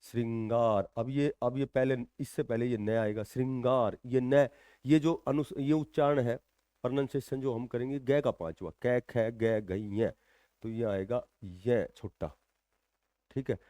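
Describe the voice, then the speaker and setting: Slow, dry-voiced male coaching teacher. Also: mid-range voice, steady tone, warm tone, no room sound. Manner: slow, drawn-out dictation with repeated checks. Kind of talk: exam coaching lesson.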